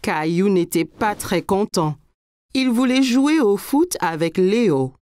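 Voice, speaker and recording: Slow, expressive woman narrating for kids. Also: medium pitch, dry recording. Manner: clear storytelling for young children. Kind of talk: scripted children's story narration.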